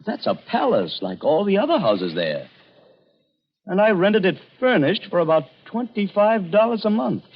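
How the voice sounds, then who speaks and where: An actor playing a jittery, protective and easily exasperated young husband in an old-time radio drama. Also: male voice, high-pitched, big pitch swings, normal speed, heavily acted. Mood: incredulous. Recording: dull, muffled old radio recording.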